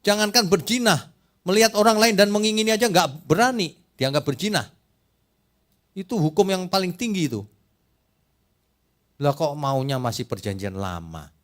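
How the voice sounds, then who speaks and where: A middle-aged man from Indonesia preaching a sermon as pastor, animated and teasing, firing rhetorical questions at the congregation and acting out quoted voices. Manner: acts out quoted voices in a higher pitch.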